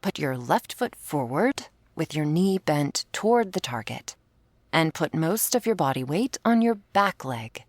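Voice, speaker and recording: A woman's voice: deep voice, very animated, unhurried, no echo. A woman performing an ASMR roleplay as a commanding, teasing werewolf hunter who instructs the listener. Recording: faint string music behind.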